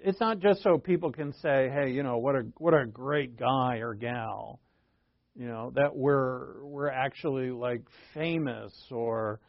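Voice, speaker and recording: Male Bible study teacher, easygoing and digressive, mid-pitched voice, dry and slightly dull recording. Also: creaky, no echo. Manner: conversational, digressive, with fillers and asides.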